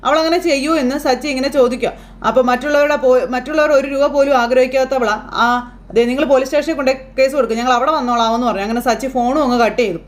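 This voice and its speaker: Brief: woman recapping a soap episode, high pitched, rapid delivery, chatty. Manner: chatty, acts out quoted lines in passing. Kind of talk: casual retelling of a TV serial episode.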